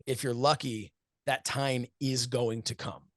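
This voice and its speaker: Speaking a little slowly with a steady, medium-pitched, fairly bright tone, this man in his forties answers interview questions earnestly and reflectively. A wrestling commentator and show host, he spins stories, acts out his friends' words, and laughs a lot. The clean studio sound has no room noise.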